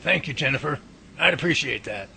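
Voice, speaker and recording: Man as a gravelly, high-pitched professor. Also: lively intonation, a little fast, bright, forceful tone, full character voice. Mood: guarded. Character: earnest, guarded male professor researching Bigfoot. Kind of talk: radio drama acting. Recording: faint background noise.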